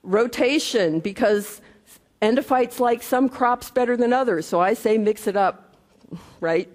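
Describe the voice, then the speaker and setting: A woman's voice: a little high, a little slow, a little mellow. A woman giving a conversational conference lecture, with many restarts and asides. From United States. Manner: conversational, frequent okay and restarts. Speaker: conference speaker, entomologist. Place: conference hall. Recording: reverberant hall.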